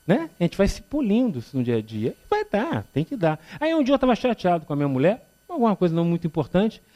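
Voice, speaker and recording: A man from Rio de Janeiro in his fifties gives a public spiritist lecture in a hall. His voice sits a little high and moves through a lively range of pitch. He jokes with the audience and acts out short exchanges between the people in his stories. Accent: Carioca Brazilian Portuguese. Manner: animated, joking storyteller who acts out dialogue.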